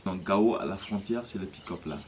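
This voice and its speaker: A man, telling his own story in a hesitant, halting way full of restarts. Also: deep voice, background noise. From Côte d'Ivoire. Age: 30s. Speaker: interviewee. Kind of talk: personal testimony.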